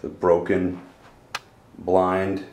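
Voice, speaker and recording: A man's voice: sits low, monotone, drawn-out words, darkish tone. A man giving a terse, disapproving, off-the-cuff walkthrough narration as a realtor inspecting an empty home. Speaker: realtor filming a property inspection. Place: indoors, empty townhouse rooms. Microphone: handheld camera microphone. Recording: echoey empty rooms, faint background noise.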